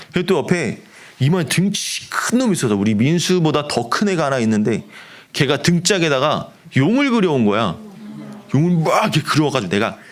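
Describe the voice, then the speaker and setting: A middle-aged man, a pastor preaching a youth sermon, telling a story and acting out the voices in it. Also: a little high. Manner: animated, acts out quoted voices of friends.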